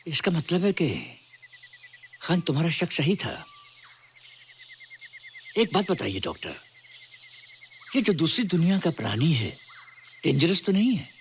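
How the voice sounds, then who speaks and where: A senior official who questions calmly. His pitch moves a lot, and a faint hum of crickets sits behind him. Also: unhurried, long pauses. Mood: inquiring.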